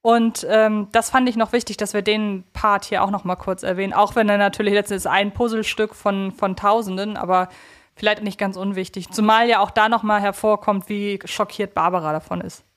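A woman's voice: medium pitch, steady tone, brisk. A woman in her thirties talking as a podcast co-host, thinking aloud in long, winding, reflective sentences. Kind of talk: conversational podcast discussion.

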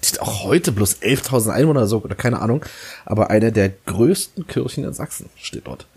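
A man's voice: on the low side, brisk, slightly rough. A man from Saxony co-hosting a casual podcast, laughing often as he chats. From Saxony, Germany. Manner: laughs a lot, animated storytelling. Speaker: podcast co-host.

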